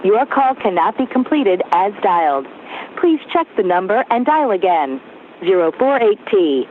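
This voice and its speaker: A woman's voice: medium pitch, very animated, moderate pace. A woman reading an automated operator announcement on a payphone call, as a recorded error message over a dull, noisy phone line.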